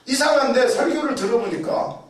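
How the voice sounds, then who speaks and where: A man's voice: very high voice, fairly quick, background noise. A man preaching a sermon, telling stories vividly, repeating key words for emphasis and acting out the voices he quotes. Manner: animated storytelling, acting out quoted voices and shouts. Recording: very echoey, mic far off.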